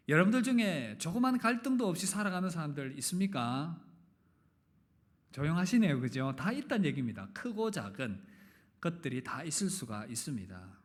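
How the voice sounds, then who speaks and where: A pastor from the Gyeongsang region preaching a sermon in a church, questioning and joking with the congregation, with loud emphatic openings. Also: male voice, fairly high pitch, very animated, normal speed. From Gyeongsang region, Korea. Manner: asks the congregation questions and jokes with them. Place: church sanctuary. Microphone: live-streamed service mic.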